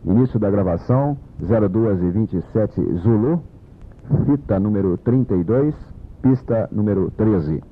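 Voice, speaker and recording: A man with a Brazilian Portuguese accent, reading a formal log announcement onto a dictaphone-style tape in a measured, matter-of-fact way. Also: on the low side, expressive. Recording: tinny, phone-like old tape with hiss.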